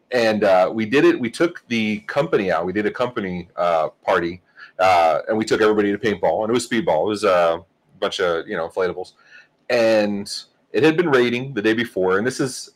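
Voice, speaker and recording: A man's voice: on the low side, brisk, rough recording. A man co-hosting a casual tech podcast, telling stories with lots of laughter and casual swearing. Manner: animated storyteller, laughs often, swears casually. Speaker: podcast co-host. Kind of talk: casual chat, storytelling.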